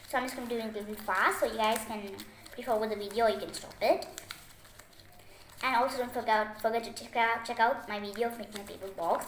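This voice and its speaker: A woman's voice: mid-range voice, a bit bright. A woman hosting a craft tutorial, giving step-by-step instructions in a chatty, repetitive teaching manner. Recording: echoey room, faint noise, clicks.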